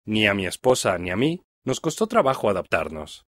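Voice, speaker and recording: A middle-aged man from Mexico with a Mexican Spanish accent, reading a first-person text aloud for language learners in a clear, even delivery. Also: on the low side, normal speed, no echo, clean studio sound. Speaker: reader of a listening text.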